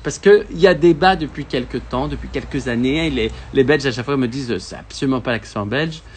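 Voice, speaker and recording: A man from France hosting a live comedy talk show, animated, playful and self-mocking. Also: mid-range voice, brisk, slight background noise. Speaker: host.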